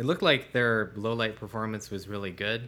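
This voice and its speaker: Speaking in a plain, everyday voice, a man keeps a medium pitch, a moderate pace, and fairly even intonation. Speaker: smartphone editor and co-host. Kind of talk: casual chat.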